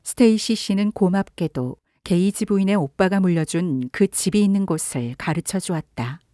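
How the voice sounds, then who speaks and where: A woman narrating a literary story for an audiobook in a calm, measured way. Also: lowish voice, no echo, studio quality.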